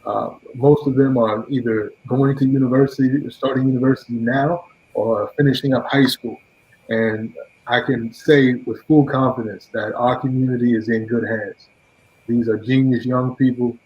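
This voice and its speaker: A man, the program's director, giving a measured graduation speech with frequent fillers and restarts. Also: medium pitch, fairly even intonation. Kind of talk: ceremony speech. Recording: dull lo-fi sound.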